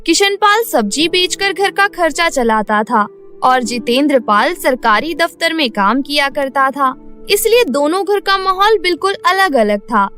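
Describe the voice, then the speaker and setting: A woman's voice: high voice, expressive, unhurried, sharp tone, soft background music. A woman narrating a scripted bedtime cartoon story as its storyteller.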